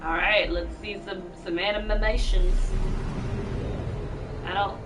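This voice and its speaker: A woman's voice: mid-range voice, steady tone, takes it slowly. Chatty woman streamer, distant and very noisy. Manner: chatty, casual. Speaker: game streamer. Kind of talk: casual live commentary while gaming. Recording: very noisy room, distant mic.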